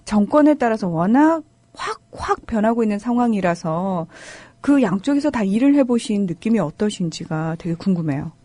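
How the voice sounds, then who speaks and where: Lively woman announcer, dry close sound. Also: mid-range voice, normal speed, few pauses, no echo. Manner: lively, friendly questioning. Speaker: announcer and host. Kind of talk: studio talk show interview.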